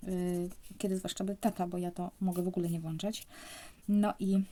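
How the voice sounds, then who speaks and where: A young woman from Poland speaking softly, often almost whispering, as she scratches lottery tickets and comments casually. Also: lowish voice, flat delivery, normal speed.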